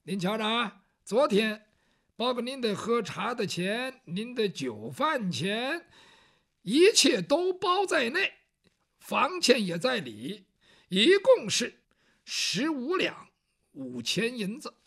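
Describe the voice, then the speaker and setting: Storyteller doing an obliging male waiter: lively, husky. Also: mid-range voice, takes it slowly, full character voice.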